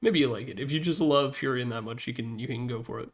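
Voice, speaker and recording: A man's voice: mid-range voice, fast. A man giving casual, opinionated commentary in an informal, blunt way, as a gaming content creator.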